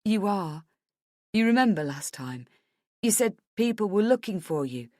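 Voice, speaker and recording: A woman's voice: mid-range voice, sing-song, a little slow, darkish tone, no echo, studio quality, pitched above the performer's own voice. Woman doing a scared, pleading husband. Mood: anguished. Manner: hesitant, pleading. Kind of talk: dramatic audiobook character dialogue.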